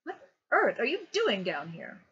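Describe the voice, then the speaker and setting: A woman doing a stern, shouting father. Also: mid-range voice, very animated, fairly quick, lo-fi sound, a little hiss or hum. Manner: scolding, rising to shouts. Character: stern, short-tempered father of a young boy.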